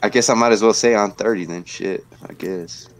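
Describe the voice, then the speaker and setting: A man's voice: fairly low pitch, fairly quick, heavy background noise. A man in his twenties hosting a casual livestream from home, bantering in slang and reading chat messages aloud. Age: 20s. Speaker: livestream host. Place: indoor home room, webcam stream.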